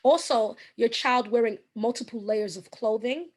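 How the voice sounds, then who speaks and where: Slightly raspy woman giving earnest advice. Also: fairly high pitch, moderate pace. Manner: earnest, explanatory, many ums. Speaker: guest. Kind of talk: advice in an interview.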